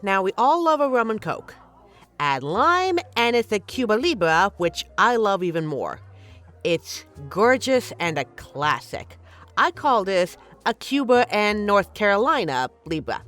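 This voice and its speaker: A woman's voice: mid-range voice, big pitch swings, measured pace, fairly bright tone, soft background music. A woman playing a flirty, teasing but caring bartender in an intimate, conversational audio roleplay. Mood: playful, proud. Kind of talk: intimate scripted roleplay, ASMR-like.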